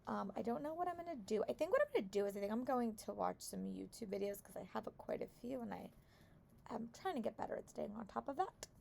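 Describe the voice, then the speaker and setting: Young woman, hoarse gravelly voice, casual vlog chatter, warm and low-key. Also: lively intonation, fast talker, slight background noise. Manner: chatty, rambling with many fillers. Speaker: book vlogger and theater teacher.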